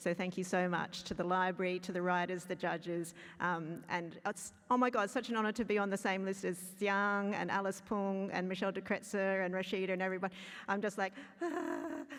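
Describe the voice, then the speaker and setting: On a very clean recording with a silent background, a woman speaks at a fairly quick pace. Her medium pitch has ordinary variation, and her loudness stays very even. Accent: strong Queensland. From Queensland, Australia. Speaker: award-winning author. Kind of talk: acceptance speech. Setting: awards ceremony with audience.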